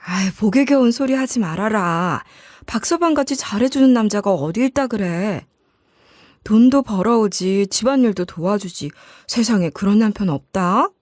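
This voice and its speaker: A woman's voice: mid-range voice, animated, moderate pace, darkish tone, no echo, clean studio sound, natural voice. A woman narrator voicing an older mother who admonishes her child in a matter-of-fact way. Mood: chiding. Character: older mother, plain-spoken, placating and chiding.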